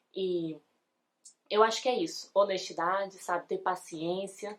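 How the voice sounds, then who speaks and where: A woman talks in a soft-spoken way. Her intonation stays fairly even. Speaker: beginning teacher and vlogger. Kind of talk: casual vlog talk. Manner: hesitant with fillers.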